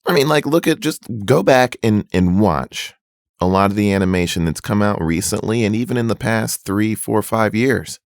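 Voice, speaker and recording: Deep-voiced man giving voice acting tips. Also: lively intonation, normal speed, no echo, clean studio sound. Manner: casual, conversational, earnest advice. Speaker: voice acting coach. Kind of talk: tutorial.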